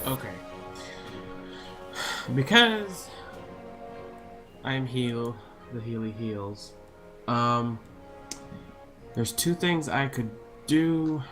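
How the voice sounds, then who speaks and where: A man's voice: medium pitch, animated, drawn-out words, long pauses, music in the background. A man chatting casually as a player in an online tabletop game, working out his moves.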